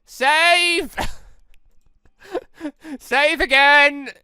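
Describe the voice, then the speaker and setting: An excitable let's play host, commentating on a game and exclaiming while reading along. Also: sits high, very slow, no room sound. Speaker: gaming video host reading a visual novel aloud. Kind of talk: let's play commentary with read-aloud character dialogue. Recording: close dry mic over game music. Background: game music.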